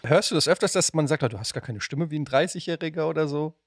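A man's voice: fairly high pitch, fast, no room sound, studio quality. A man, hosting a casual interview as a podcast host.

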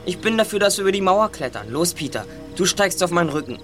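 A bossy, clever teenage boy detective in a radio play. He speaks articulately and decisively, used to leading, with music clearly behind him. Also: sits high, expressive, fast. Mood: decisive, impatient. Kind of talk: German audio drama acting.

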